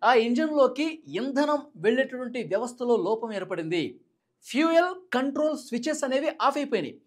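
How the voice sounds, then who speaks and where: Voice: high voice, animated, brisk. A Telugu news presenter giving explanatory commentary in a dramatic, emphatic manner, repeating key points.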